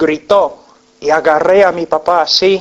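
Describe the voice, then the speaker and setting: Spoken with an English accent and ordinary pitch variation. The pace is fairly slow. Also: man. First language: English (speaking Spanish). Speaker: preacher. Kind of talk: sermon. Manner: halting.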